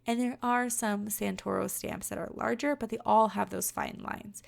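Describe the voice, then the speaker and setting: Gravelly-voiced woman chatting about crafts. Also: medium pitch, fairly even intonation, moderate pace. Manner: chatty, rambling, many fillers. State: rough voice from being sick. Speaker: card-making vlogger. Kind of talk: casual crafting voice-over.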